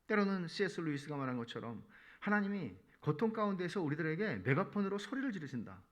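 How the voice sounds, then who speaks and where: Animated, bright-voiced male pastor preaching. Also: on the high side, fast. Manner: conversational preaching with playful acted asides. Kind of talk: sermon.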